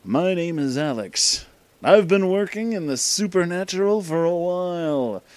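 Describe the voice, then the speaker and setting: A man acting as a mysterious hippie illusionist from a comic story. He speaks in a measured, knowing way, slightly high in pitch and very dry in sound. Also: expressive, dry recording.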